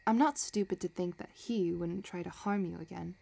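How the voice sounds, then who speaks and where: A woman playing a possessive, scheming villain in a romantic audio roleplay, talking in a soft, teasing, calculating way. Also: fairly low pitch, moderate pace, creaky. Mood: intimate, possessive. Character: possessive, scheming female villain obsessed with her crush.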